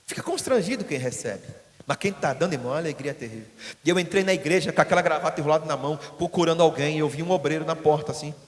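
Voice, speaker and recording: A pastor preaching in a church, his voice sitting fairly high. He tells stories and acts out the voices of the people in them. A long reverb from the hall trails every phrase. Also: racing. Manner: storytelling, acting out quoted voices. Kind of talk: sermon.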